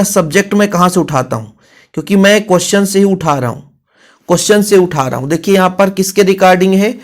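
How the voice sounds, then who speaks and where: A man speaks in a fairly high-pitched voice. He teaches like a classroom coach, mixing in English terms. He repeats key phrases and keeps checking that his students follow. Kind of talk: classroom lesson explanation, Hindi mixed with English terms.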